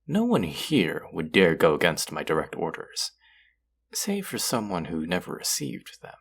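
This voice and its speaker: An actor playing a stern, haughty god of the underworld in an audio roleplay, speaking formally with an exasperated, grudging manner. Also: male voice, low voice, huge pitch swings, unhurried, vocal fry, husky, full character voice. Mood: suspicious, curious. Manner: imperious, exasperated, formal speech with sighs. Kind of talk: scripted character audio roleplay.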